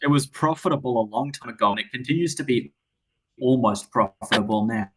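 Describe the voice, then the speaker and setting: A man with a mid-pitched voice talks casually, as if among friends. He tells anecdotes in a dry, wry way. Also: fairly quick, breathy edge, soft background music, poor audio. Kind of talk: casual chat and anecdote telling.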